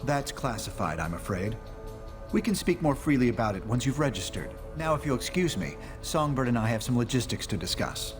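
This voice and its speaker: A man's voice: mid-range voice, big pitch swings, a little fast, lightly acted. A man voicing a pragmatic superhero leader in a game cutscene, controlled, matter-of-fact and official. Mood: measured. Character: measured, pragmatic genius male superhero leader. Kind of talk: video game cutscene dialogue. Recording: music behind the voice.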